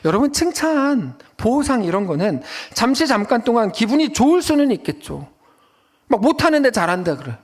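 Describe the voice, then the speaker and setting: Guy pastor preaching sunday sermon, high voice, jumps all over the place, chatty. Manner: lively conversational preaching with acted quotes. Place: church sanctuary.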